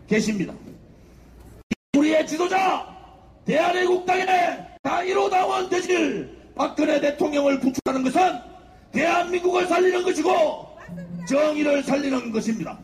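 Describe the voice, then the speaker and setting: A man giving a fiery shouted speech at an outdoor street rally, leading chanted slogans. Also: extremely high pitch, gravelly, a little hiss or hum. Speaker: rally speaker. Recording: echoey loudspeaker sound with crowd and music.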